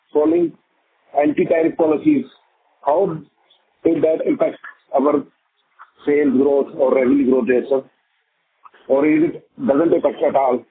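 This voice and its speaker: Higher-pitched man on muffled phone. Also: a little hiss or hum. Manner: deferential, addresses listener as sir. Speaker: individual investor caller. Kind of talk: caller question on earnings call. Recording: muffled narrow phone line.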